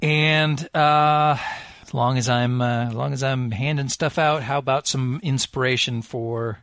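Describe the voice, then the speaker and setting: A man at a tabletop game, narrating his own turn aloud in a wry, easygoing way. The recording is dry and close, with no room sound. His voice sits in a middle pitch. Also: fairly even intonation, unhurried, a bit bright, dry recording. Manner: wry, talks through his moves aloud. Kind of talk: casual tabletop game chat.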